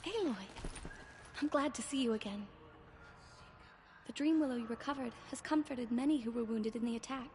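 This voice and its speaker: A woman playing a gentle, grateful tribal healer who offers a thankful greeting. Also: a little high, moderate pace, pauses often, lightly acted.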